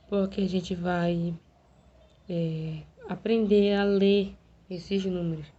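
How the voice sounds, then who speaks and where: A woman teacher with a Brazilian Portuguese accent, hoarse from a cold, giving an online math lesson in a quiet, hesitant way with many fillers. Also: on the low side, a little hiss or hum. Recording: dull lo-fi home video recording.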